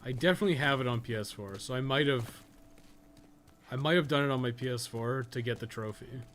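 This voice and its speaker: A man's voice: mid-range voice, a little fast, fairly bright tone. A man giving casual, rambling live game commentary with plenty of swearing, as a streamer. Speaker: streamer and podcast co-host. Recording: clearly noisy, game audio behind. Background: video game sound and dialogue.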